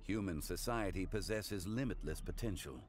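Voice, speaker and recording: An actor playing a calm, dignified, scholarly consultant in a video game, with formal, measured delivery. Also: male voice, low-pitched, natural voice. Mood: reflective. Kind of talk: scripted video game voice acting.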